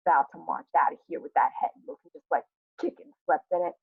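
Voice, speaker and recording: A woman's voice: sits low, lively intonation, fairly quick, gravelly, breathy edge, heavily acted. A tired young mother from a stage drama, read by a woman. She is stern but loving, dry and clipped in her orders. The recording is thin and phone-like. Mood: scolding. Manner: scolding, dry, clipped commands.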